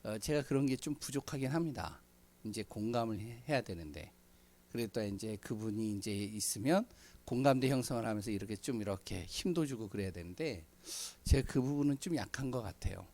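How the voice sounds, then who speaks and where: A middle-aged man preaching a sermon in a church, speaking conversationally with many fillers and frequent throat clearing. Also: fairly low pitch, animated, brisk, a little mellow. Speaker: pastor. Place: church sanctuary.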